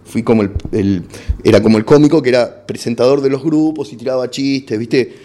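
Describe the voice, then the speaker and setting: Mellow-voiced Argentine comedian, frank and halting. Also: male voice, medium pitch. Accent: Argentine Spanish. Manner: frank, repeats words and restarts while searching for words. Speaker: stand-up comedian guest. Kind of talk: casual interview chat.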